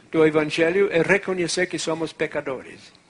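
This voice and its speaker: The speaker is a man with a fairly high pitch. Noticeable background noise runs behind him. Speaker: preacher. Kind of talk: sermon.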